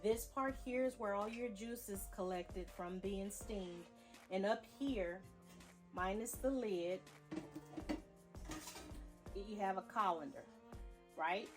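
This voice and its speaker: Over background music, a woman with a mid-range voice and measured pace walks viewers through home canning step by step. She's a homesteading vlogger with a casual, folksy teaching style, talking straight to her audience.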